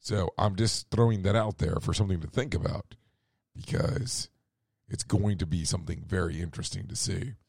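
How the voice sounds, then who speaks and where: A man's voice: sits low, normal speed, gravelly, a little mellow, husky, no room sound, clean studio sound. A man hosting a radio show and losing his voice, rambling through the news with sarcastic asides and self-corrections. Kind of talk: casual news commentary.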